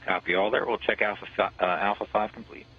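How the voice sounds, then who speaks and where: A man working as launch conductor, giving clipped procedural calls over a radio communications loop, brisk with small hesitations. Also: fairly low pitch, fairly even intonation, husky, faint music behind. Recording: muffled lo-fi radio channel.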